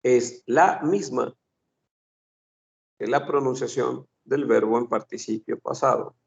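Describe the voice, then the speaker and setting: A man's voice: medium pitch, takes it slowly, gravelly, far from the mic. A man teaching a French phonetics class, patiently repeating sounds and examples. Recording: dull lo-fi recording.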